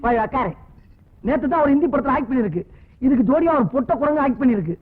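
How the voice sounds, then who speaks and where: A man's voice: very high voice, lively intonation, fast talker, phone-quality sound. A man in a Tamil film comedy, asking teasing, wheedling questions.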